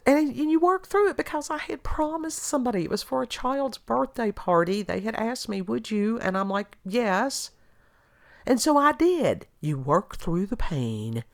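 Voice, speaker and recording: A woman's voice: on the high side, very animated, a little slow. A middle-aged woman with a congested, stuffy voice, chatting casually as a podcast host and telling wry stories. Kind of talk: casual chat.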